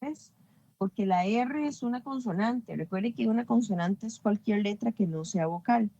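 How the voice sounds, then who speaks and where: A woman's voice: medium pitch, normal speed, gravelly, mellow, no room sound, highs cut off. A woman teaching an English grammar class online, explaining patiently and often checking understanding.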